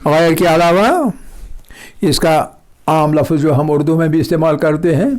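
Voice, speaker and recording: A man teaching a recitation lesson, patiently explaining and repeating example words slowly, often checking that his listeners follow. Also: on the high side, darkish tone. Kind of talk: tajweed lesson.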